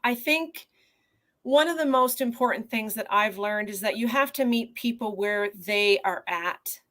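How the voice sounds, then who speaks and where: Woman, slightly high voice, earnest and measured, reflective interview answers, video call. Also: a bit bright. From Canada. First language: not Portuguese. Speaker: neonatologist guest.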